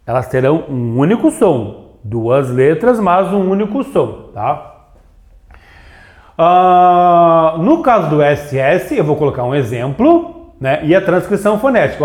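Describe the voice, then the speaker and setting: A man's voice: on the high side, a little mellow. A man teaching grammar in a video lesson at a board, pointing at examples and checking in with short "right?" tags. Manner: explains with frequent "tá?" and "ó" checks. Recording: roomy echo.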